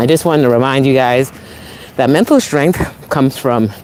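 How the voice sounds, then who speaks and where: A woman's very deep, low voice with a New York accent, ordinary pitch variation, a fairly slow pace, and noticeable background noise. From Caribbean, raised in New York. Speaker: motivational speaker and business coach. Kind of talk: live-stream motivational talk. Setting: outdoors on a walk, live stream. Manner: casual, conversational.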